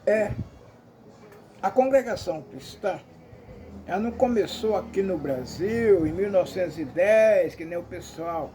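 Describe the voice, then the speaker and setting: A man's voice: sits high, lively intonation, unhurried, warm tone, a little hiss or hum. A Brazilian man giving an emphatic, repetitive commentary monologue, often calling out to his listeners.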